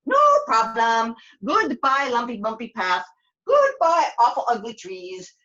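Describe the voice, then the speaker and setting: A woman's voice: fairly high pitch, very animated, unhurried, fairly bright tone, highs cut off. A woman voicing a dramatic, whiny, naive young servant girl in a puppet show, flustered and repeating herself. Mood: hopeful. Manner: melodramatic, repetitive, flustered.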